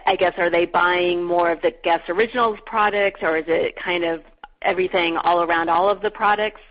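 A woman asking questions conversationally as a financial analyst on an earnings call. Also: lowish voice. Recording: slightly dull call line.

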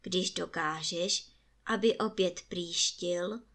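A woman voicing a sorrowful king in a storybook reading, slow and solemn. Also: lowish voice, a bit bright, pitched below the performer's own voice. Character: sorrowful old king, dignified.

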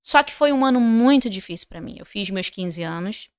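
Her voice is medium-pitched and expressive, delivered at a normal speed. She is a podcast guest from Rio de Janeiro, Brazil, giving a personal faith testimony in conversation, voicing the dialogue she quotes and addressing the listeners head-on.

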